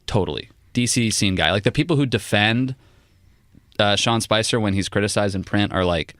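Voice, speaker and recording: A male political journalist guest chatting casually on a podcast, rambling with many "like"s and jumpy pitch. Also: moderate pace, no echo, clean studio sound. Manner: rambling, many "like" fillers, animated pitch jumps.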